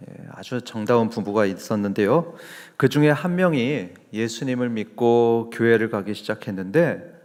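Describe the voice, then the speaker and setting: Korean pastor preaching in a reverberant hall. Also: male voice, moderate pace, darkish tone. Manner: asks the congregation questions, answers them himself; acts out quoted voices with raised pitch. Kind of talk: sermon. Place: church sanctuary.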